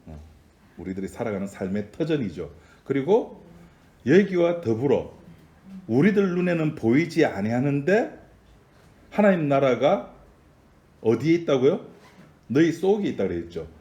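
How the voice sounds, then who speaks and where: A man's voice: medium pitch, sing-song, measured pace, pauses often, mellow, roomy sound. A man preaching a sermon in a conversational style, often asking the congregation questions. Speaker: pastor.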